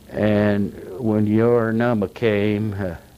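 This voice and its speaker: The speaker is a man. He has a Georgia accent. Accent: Georgia Southern. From US South. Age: 70s. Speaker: war veteran. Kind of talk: oral history interview. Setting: library. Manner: halting.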